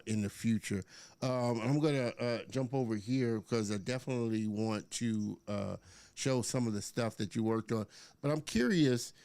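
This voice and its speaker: Guy hosting a live show, upbeat, lots of uh's, smooth clear voice, dry close sound. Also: mid-range voice, darkish tone, no room sound. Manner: upbeat, many filler words, reads viewer comments. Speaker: host. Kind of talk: live-streamed interview show.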